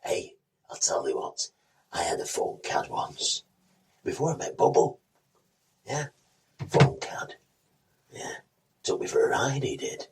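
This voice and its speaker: Guy putting on a shady hushed voice, breathy, off mic with faint hiss. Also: mid-range voice, wildly swooping pitch, measured pace, long pauses, recorded from a distance, poor audio. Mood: conspiratorial.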